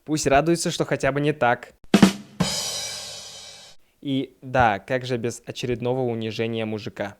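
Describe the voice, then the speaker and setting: A man's voice: medium pitch, steady tone, moderate pace, long pauses, loud music behind the voice. A man narrating a scripted comedic film review in a mocking, sarcastic manner. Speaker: film reviewer and video host.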